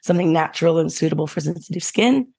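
Husky-voiced Australian woman guest. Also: deep voice, lively intonation, fast, darkish tone. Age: middle-aged. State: husky, not her normal voice. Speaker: guest, business founder. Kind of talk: casual interview chat.

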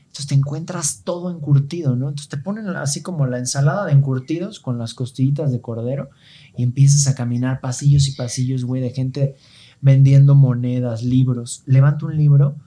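On a casual podcast, a man with a Mexican accent tells travel stories animatedly and packs them with slang. His voice is mid-range and he talks a little fast.

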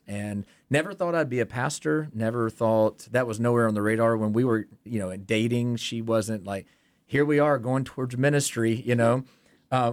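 A man's voice: mid-range voice, no room sound. A man, a pastor from Tennessee, candidly telling his story as a podcast guest. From Tennessee, USA.

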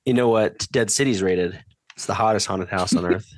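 A man co-hosting a podcast in casual chat, dropping quick wry quips. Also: lowish voice, dry recording. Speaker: podcast co-host.

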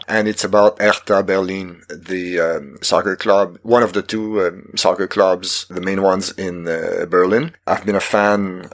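This is a middle-aged podcast host from Quebec, speaking English with a soft Québécois French accent. His voice sits a little low, and he talks loosely, filling gaps with uhs and starting sentences over. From Quebec, Canada. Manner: relaxed and rambling, with many fillers and restarts. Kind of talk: solo podcast introduction.

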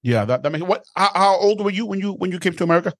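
A man hosting an interview show, energetic and upbeat, often repeating his first words as he starts a question. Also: sits high, very fast, no room sound, clean studio sound. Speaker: podcast host.

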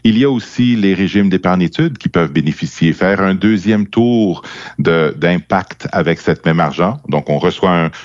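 Male podcast guest advisor, Quebec French accent, very deep, halting delivery, dry dull recording. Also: no room sound. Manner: halting, repeats words as he explains. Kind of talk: unscripted podcast explanation.

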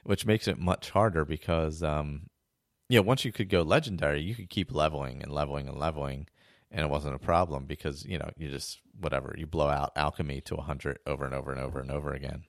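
A man hosting a podcast, talking casually and rambling with many restarts, hoarse as he is losing his voice. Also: a bass voice, fairly even intonation, quick pace, no echo, clean studio sound. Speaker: podcast host. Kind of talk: casual monologue.

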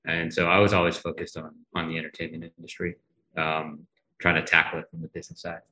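A man in his thirties from Massachusetts, a guest answering thoughtfully with many pauses and fillers. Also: deep voice, completely flat delivery, sharp tone, low-quality recording. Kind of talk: conversational interview.

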